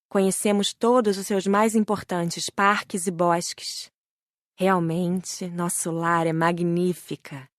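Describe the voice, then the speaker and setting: A woman's voice: mid-range voice, no echo, studio quality. Woman with a Brazilian accent, audiobook narrator. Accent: Brazilian Portuguese. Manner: gentle, admiring, steady reading. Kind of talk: scripted first-person narration of a spiritual book.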